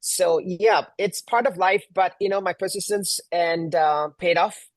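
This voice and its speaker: Speaking in a high, slightly slow voice, a middle-aged man from Kuala Lumpur, Malaysia, works as an event planner and appears as an interview guest. He answers questions with personal stories, chatting conversationally, in a dry recording.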